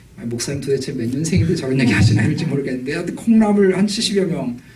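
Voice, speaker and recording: With noticeable background noise and audible room echo, a man speaks fairly quickly with lively intonation. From South Korea (Jeolla, then Seoul and Incheon). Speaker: pastor. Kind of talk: sermon.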